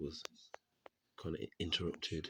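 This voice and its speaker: A man speaks quietly in a somewhat breathy voice. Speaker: online preacher. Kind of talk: religious teaching; reading aloud. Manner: casual.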